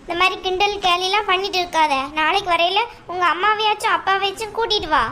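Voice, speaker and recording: A woman's voice: very high voice, fairly even intonation, fast talker, bright, forceful tone, a little hiss or hum. A woman voicing a strict female schoolteacher who scolds her pupils in firm, clipped sentences. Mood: stern. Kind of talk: cartoon voice acting.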